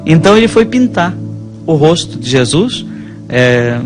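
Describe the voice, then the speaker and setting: A man with a Brazilian accent, a priest, talking conversationally about faith and telling stories in a halting, rambling way. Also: fairly high pitch, sing-song. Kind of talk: conversational religious storytelling. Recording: music playing behind the voice.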